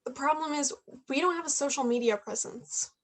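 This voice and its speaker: High-voiced, ambitious young journalist played by a woman. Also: fairly quick, natural voice. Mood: doubtful. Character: Chloe, ambitious, frustrated young female journalist and loyal friend. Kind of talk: staged reading of a contemporary play.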